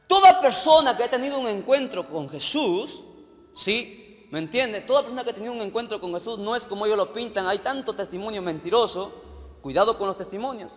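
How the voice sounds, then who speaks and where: High-pitched male evangelist, sermon style, quizzes the congregation, reverberant hall. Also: animated, a little fast. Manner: questions the congregation directly, checking they follow. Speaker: evangelist preacher. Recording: long hall reverb with faint music.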